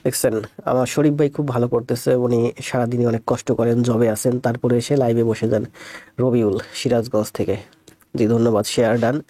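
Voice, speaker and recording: Soft-spoken man teaching live with a cold. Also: mid-range voice, level tone. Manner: speaks slowly and softly to save energy. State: has a cold. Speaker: math teacher. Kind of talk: live online class, greeting viewers.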